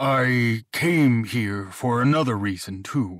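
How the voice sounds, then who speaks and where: In a very clean recording with a silent background, a put-on character voice speaks at a fairly slow pace in a nervous tone. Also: man. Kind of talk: audiobook character voice. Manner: hesitant, nervous.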